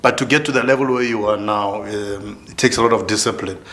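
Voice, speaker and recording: A man's voice: on the low side, steady tone, fairly quick, fairly bright tone, a little hiss or hum. A man hosting a casual interview talk show.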